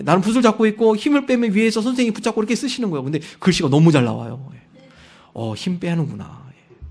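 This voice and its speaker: A male pastor preaches a Sunday sermon in a high, bright voice. He tells stories and acts out the quoted words of the people in them, pushing certain lines out loudly for emphasis. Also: vocal fry. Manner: storytelling with acted quotes; rising to loud emphasis on key lines.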